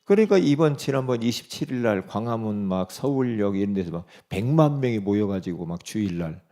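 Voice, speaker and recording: A man's voice: fairly low pitch, lively intonation, a little fast, mellow. A male pastor giving a sermon in an emphatic, conversational way, often asking rhetorical questions.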